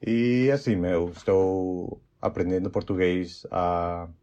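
Guest, male, 20s, Mexican accent, dark mellow tone, dull remote audio. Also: low voice, takes it slowly. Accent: Mexican Spanish. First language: Spanish. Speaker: podcast guest. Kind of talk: casual conversation.

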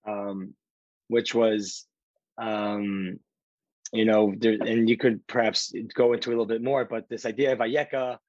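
A man hosting a podcast interview, affirming his guest in a casual, halting way with many fillers. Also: lowish voice, little pitch movement, darkish tone, no echo, lo-fi sound. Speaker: podcast host.

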